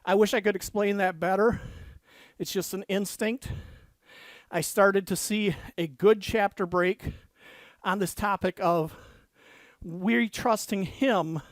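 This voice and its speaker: A man with a fairly high voice dictates his novel while walking at a treadmill desk, a little winded. He speaks slowly and measuredly and reads his punctuation marks aloud. The recording is close and dry, with no room sound. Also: fairly even intonation, no echo. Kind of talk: dictating fiction aloud, then casual chat.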